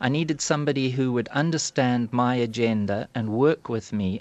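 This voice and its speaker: Using a plain, everyday voice, a man talks fairly quickly at medium pitch with ordinary pitch variation. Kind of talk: interview.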